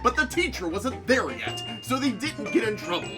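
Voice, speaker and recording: A woman's voice: on the high side, huge pitch swings, normal speed, over loud music. A woman hosting a comedic dramatic reading, mixing narration with casual banter. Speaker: reader and host.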